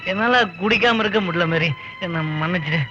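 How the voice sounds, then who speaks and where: An actor playing a drunken husband in a film, slurred and self-pitying. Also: male voice, high-pitched, a little fast, natural voice. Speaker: film character. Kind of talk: film dialogue. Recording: dull film audio with music.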